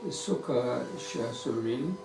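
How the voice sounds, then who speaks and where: Man reading aloud haltingly as a student. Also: medium pitch, lively intonation, vocal fry. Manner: reads the text aloud haltingly, asks questions. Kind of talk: study-group discussion. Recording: echoey room with background noise.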